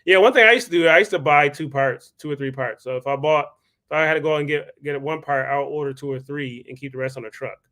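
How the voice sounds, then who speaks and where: A man's voice: on the high side, fast, bright, forceful tone. A man, casually hosting a live stream, talking loosely and greeting viewers by name. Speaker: host.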